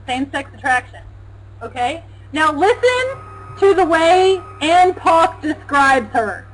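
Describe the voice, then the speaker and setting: Loud, animated high-voiced woman. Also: slight background noise, poor audio. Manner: loud, animated, mocking, laughs often. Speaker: co-host. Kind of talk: casual talk show chat.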